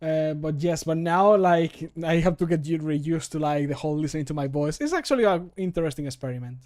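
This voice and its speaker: A man in his thirties with a slightly high voice, chatting on a livestream from a small room at home. He rambles casually and pokes fun at himself. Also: fairly quick, a little mellow. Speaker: streamer and game modder.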